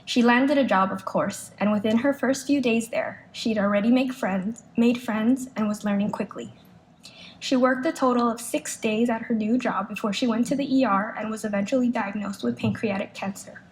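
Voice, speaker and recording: A woman's voice: a little high, moderate pace, low-quality recording. A woman reads out a prepared eulogy, speaking as a daughter. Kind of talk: prepared memorial speech read aloud. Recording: live speech with clear background noise.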